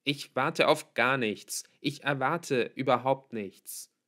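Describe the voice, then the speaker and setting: A man's voice: mid-range voice, takes it slowly, fairly bright tone, pitched above the performer's own voice. A man voicing a withdrawn, stubborn teenage girl in an audiobook, curt and defensive. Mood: sullen, curt.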